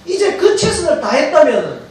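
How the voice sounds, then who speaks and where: A man preaches to his congregation with a lively, swooping delivery, firing questions at them and pushing up into shouts. He sounds distant from the microphone. A long, heavy echo fills the church hall around him. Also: very high-pitched, a little fast. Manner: animated preaching, quizzes the congregation, rises to shouts. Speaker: pastor. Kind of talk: sermon. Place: church sanctuary. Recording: very echoey church hall, mic far off.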